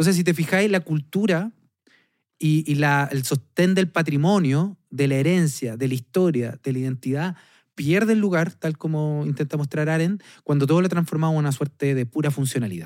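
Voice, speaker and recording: On a very clean recording with a silent background, a man speaks with a Chilean accent. His voice is fairly high with ordinary pitch variation, and the sound is dry and close with no echo. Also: moderate pace. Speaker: academic and psychoanalyst, podcast co-host. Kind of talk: casual philosophical discussion.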